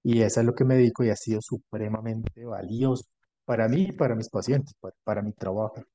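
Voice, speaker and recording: A man with a Colombian accent, a dentist answering conversationally as an interview guest, explaining things in a measured way. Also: on the low side, steady tone, dark tone, slight background noise. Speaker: podcast guest, dentist specialised in prosthodontics and implants.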